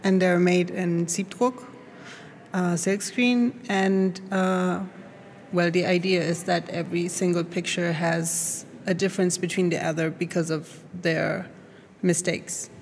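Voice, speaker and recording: A woman's voice: lowish voice, fairly even intonation, a little slow, a little mellow. Hesitant woman. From Chile. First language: Spanish. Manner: hesitant, searching for words, many fillers. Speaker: art student. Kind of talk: interview answers. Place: art academy studio. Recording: noisy recording.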